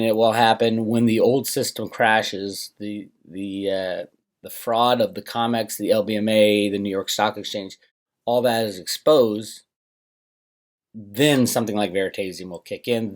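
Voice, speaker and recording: A man's voice: fairly low pitch, steady tone, measured pace. A man hosting a financial commentary vlog, talking casually and emphatically to viewers with opinionated asides and rhetorical questions.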